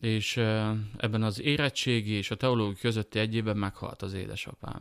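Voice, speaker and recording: The recording is very clean, with a silent background and a dry, close sound with no echo. A man speaks at a moderate pace and medium pitch. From Transcarpathia, Ukraine (Berehove area, Hungarian minority). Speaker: Reformed pastor. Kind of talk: casual interview.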